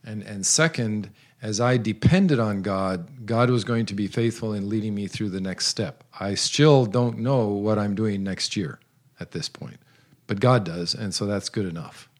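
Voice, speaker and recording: A man in his sixties who grew up in South America, giving earnest, measured interview answers with frequent pauses and restarts. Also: on the low side. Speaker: guest, retired missionary.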